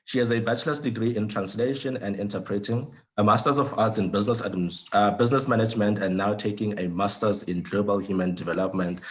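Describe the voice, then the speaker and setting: A man with a somewhat low voice introduces speakers at an online seminar. He talks loosely, with many fillers and restarts. The sound comes over a video call. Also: steady tone, fast, few pauses. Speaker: webinar host.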